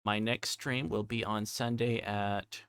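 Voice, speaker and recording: A man's voice: lowish voice, fairly even intonation, measured pace, creaky, fairly bright tone, smooth. A man chatting casually on a game livestream in a rambling, flustered way that keeps cutting itself off. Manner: rambling, flustered, self-interrupting. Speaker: livestreamer playing a visual novel. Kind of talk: casual livestream chat and story read-aloud. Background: game music.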